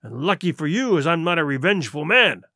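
Picture a sly, forceful old ship's cook turned pirate leader, as a man reading aloud does him. He growls threats and scorn in rough sailor's speech, in a high, bright voice that leaps up and down. The sound is dry and close. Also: sing-song, fast talker, dry recording, heavily acted. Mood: scornful.

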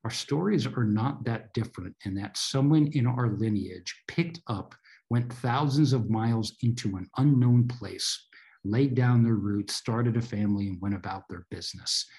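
A man's voice: medium pitch, moderate pace, a little mellow, low-quality recording. An American man hosting an interview podcast, reading an introduction and asking questions with emphatic delivery. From United States. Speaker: podcast host.

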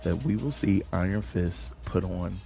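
A man's voice: low-pitched, measured pace, vocal fry, dark tone, breathy edge, faint music behind. A man co-hosting a casual pop-culture podcast, joking around and laughing often. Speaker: podcast co-host.

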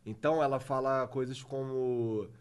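A man's voice: mid-range voice, fairly even intonation, normal speed, smooth. A man chatting casually and joking in slang about his kids. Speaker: father, podcast co-host. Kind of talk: casual chat.

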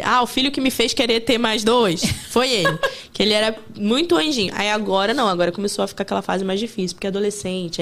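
A woman chatting candidly as a guest, telling stories quickly and openly. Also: medium pitch. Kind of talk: casual chat.

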